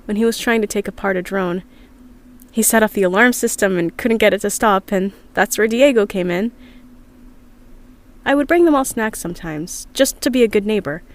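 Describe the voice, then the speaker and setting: A woman's voice: mid-range voice, natural voice. An actress playing an upset, earnest young woman from an underground community, confiding hesitantly in an audio drama diary. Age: young adult.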